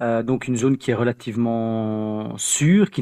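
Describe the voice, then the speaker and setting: In a quiet setting, this man keeps a medium pitch and fairly even intonation. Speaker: aid organization director. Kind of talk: interview. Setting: phone call. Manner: halting.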